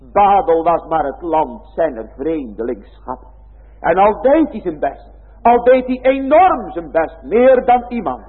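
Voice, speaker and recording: Husky preacher in a tinny hall. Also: male voice, high-pitched. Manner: solemn preaching cadence with archaic phrasing. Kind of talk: sermon. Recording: tinny phone-like sound in a reverberant hall.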